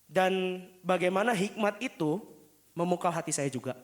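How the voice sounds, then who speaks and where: Masked male pastor with a higher-pitched voice. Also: normal speed. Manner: speaking through a face mask. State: sore throat, a little unwell. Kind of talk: conversational sermon. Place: church pulpit.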